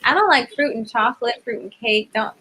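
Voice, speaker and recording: Expressive, blunt woman with a high voice. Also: a little fast, slightly rough, low-quality recording. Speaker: panelist. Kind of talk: casual group chat.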